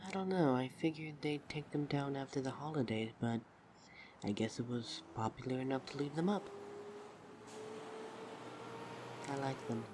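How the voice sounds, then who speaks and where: A woman's voice: rumbling low, darkish tone, slight background noise. A woman playing a shy, flustered, affectionate date in an intimate, hesitant romantic ASMR roleplay. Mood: warm, enchanted. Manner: awkward, hesitant, halting delivery. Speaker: audio roleplay voice actor.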